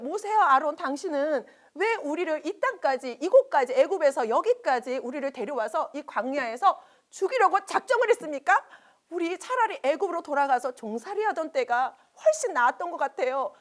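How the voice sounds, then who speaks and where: A woman voicing a desperate crowd who wails and loudly complains to their leaders. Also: extremely high pitch, pitched above the performer's own voice. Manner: whiny, wailing, shouting complaints. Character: wailing, grumbling crowd of desperate people.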